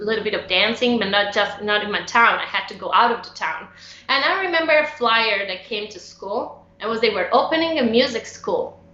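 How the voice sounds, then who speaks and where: A woman with an Italian accent speaks at a moderate pace in a fairly high pitch with ordinary pitch variation. Room echo is audible, and background noise is noticeable. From northeast Italy, near Venice. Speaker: classical guitarist and teacher. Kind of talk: interview.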